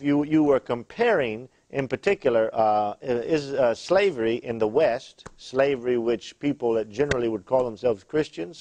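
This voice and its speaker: A man from Iraq hosting a Christian studio talk show, preacherly, with frequent "amen" and "uh" fillers. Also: mid-range voice.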